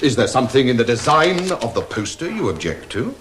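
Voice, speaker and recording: An actor playing a pompous, sarcastic, theatrically weary form tutor in a British television drama, speaking in elaborately wordy sentences. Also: male voice, mid-range voice, very animated, a little fast, fairly bright tone. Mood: sardonic disapproval. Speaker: actor in a school drama series.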